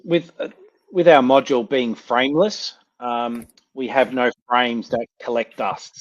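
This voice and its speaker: A man with an Australian accent presenting in a webinar and answering questions, often pausing with ums and repeating words as he explains. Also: medium pitch, muffled recording, a little hiss or hum. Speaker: company presenter.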